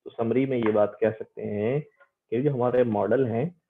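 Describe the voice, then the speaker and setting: A man's voice: medium pitch, fairly even intonation, moderate pace, creaky, slight background noise. Tinny-sounding South Asian male lecturer. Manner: explanatory, repeats points, mixes in English terms. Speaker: teacher giving an online class. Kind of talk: lecture, reading English text slowly and explaining it. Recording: narrow, tinny online-call audio.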